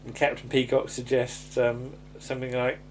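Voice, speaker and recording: A man's voice: mid-range voice, monotone, moderate pace, a little hiss or hum. A man with a slight lisp, casually recapping a sitcom episode and hesitating with many ums and restarts. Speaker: podcast co-host.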